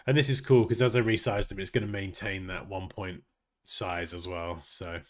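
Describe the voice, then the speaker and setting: A man's voice: deep voice, steady tone, moderate pace. A man hosting a live design tutorial, talking casually as he works, sniffly and nasal from a blocked nose. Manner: chatty, thinking aloud while working. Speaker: graphic design livestream host.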